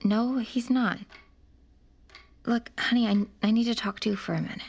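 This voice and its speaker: An actress playing a weary mother who works at a hospital and narrates her story in a halting, strained way. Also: on the high side, a little mellow. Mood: gentle. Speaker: narrator and lead character. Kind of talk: audio drama acting with narration.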